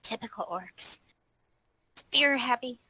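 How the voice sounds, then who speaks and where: A woman's voice: fairly high pitch, takes it slowly, sharp tone, no echo, low-quality recording. A woman playing a tabletop roleplaying game, improvising casual in-character dialogue in a wry way.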